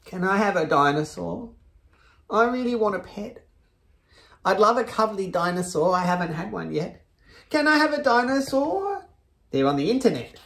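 A man with a strong Australian accent speaks at a high pitch and moderate pace, his voice making very wide pitch swings, with long, frequent pauses. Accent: broad Australian. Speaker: children's book reader. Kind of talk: reading aloud. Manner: animated.

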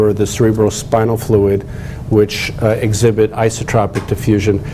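Here a man speaks at an even, moderate speed. There is some light noise in the background. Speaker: invited scientist lecturer. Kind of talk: lecture. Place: hall.

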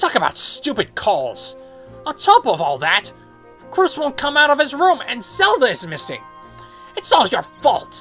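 A put-on character voice with a high pitch. Clear music plays in the background. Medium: game stream. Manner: sneering, sarcastic.

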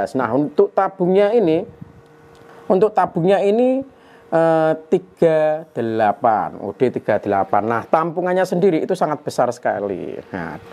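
Very slowly, a man speaks in a high voice with very wide pitch swings. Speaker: air rifle shop presenter and salesman. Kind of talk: sales pitch, product promo video, greeting and sign-off ritual. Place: shop. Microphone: lapel.

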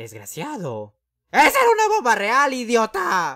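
A man puts on a cartoonish character voice at an extremely high pitch, bright and sharp in tone, with very wide pitch swings. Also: fairly slow pace.

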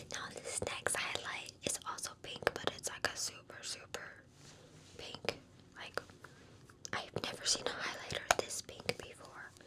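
Soft-spoken and whispering, a woman speaks at a fairly slow pace with long, frequent pauses over loud background noise. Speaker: makeup roleplay creator. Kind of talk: personal attention roleplay talk. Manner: soft ASMR whisper. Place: home room.

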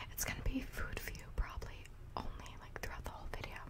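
A woman is whispering. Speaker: ASMR content creator. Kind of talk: casual talk to camera, mukbang. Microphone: studio mic.

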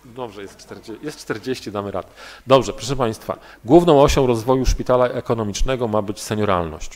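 A man's medium-pitched voice with ordinary pitch variation and big swings in loudness. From eastern Poland. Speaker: healthcare investment company director. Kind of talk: presentation at public meeting. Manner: halting. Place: meeting room. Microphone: podium.

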